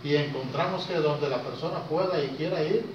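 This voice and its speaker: Filmed from several metres away on a handheld camera, a man from Costa Rica teaches a small class in a relaxed, informal way. His voice is a little high, and he speaks in short, paused phrases, often questioning the students. The whiteboard classroom is small, and the distant recording comes out heavily echoing, muffled and noisy.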